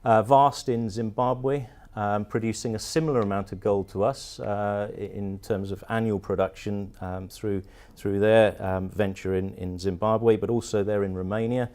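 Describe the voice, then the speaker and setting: A man with a British accent giving an investor presentation as a company director, with halting phrasing and frequent ums. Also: lowish voice, steady tone, a little mellow. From partly Turkey, mostly the UK.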